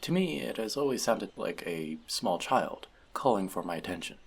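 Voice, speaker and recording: Elf magic mentor male actor for fantasy audio drama: gentle and teasing, gravelly, very expressive intonation. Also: on the low side, normal speed, exaggerated voice. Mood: reflective, gentle. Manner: conversational, teasing, reflective. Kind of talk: fantasy audio roleplay addressed to the listener.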